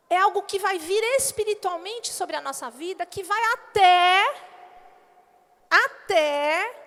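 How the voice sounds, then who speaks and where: A woman pastor preaching a sermon and acting out little quoted dialogues in an animated way. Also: extremely high pitch. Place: church hall. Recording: long hall reverb.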